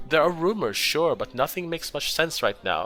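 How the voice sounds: Putting on a squeaky character voice, a man talks at a fairly quick pace in a fairly high pitch with lively intonation.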